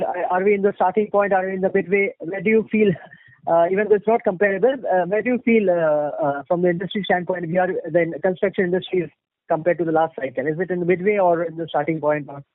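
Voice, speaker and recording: High-voiced man on phone line. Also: fairly even intonation, quick pace, no echo. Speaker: individual investor asking questions on a call. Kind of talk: spontaneous earnings call questioning. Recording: dry, narrow phone line.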